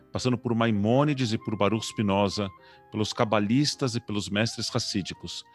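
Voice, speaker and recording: A man who hosts a podcast as a rabbi, opening with a measured scripted intro and then asking questions. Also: lowish voice.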